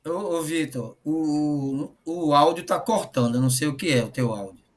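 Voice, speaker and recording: A man on a video call with a Bible study group, his choppy audio cutting out as he speaks in halting, stumbling bursts. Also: a little high. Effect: choppy audio cutting out over an internet call. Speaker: participant in an online Bible study. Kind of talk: casual chat. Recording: distant, faintly noisy call line with clicks.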